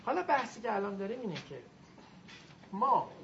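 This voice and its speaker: A woman teaching a class, lively and animated as she drills her students in call-and-response. Her voice sits at an ordinary middle pitch. The recording is a little muffled, with faint noise underneath. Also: vocal fry. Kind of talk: classroom lecture on Arabic grammar.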